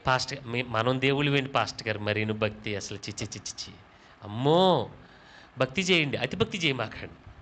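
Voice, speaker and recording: A dismissive, scoffing churchgoer, as a preacher mimics him, tutting and mocking. The voice drops low and quiet for the impression, but the tone stays bright and tense. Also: male voice, a little fast, slight background noise, close to an everyday voice.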